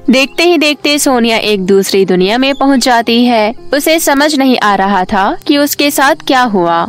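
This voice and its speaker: A woman's voice: fairly high pitch, lively intonation, moderate pace, soft background music. A woman narrating a children's bedtime fairytale from a script, as the storyteller.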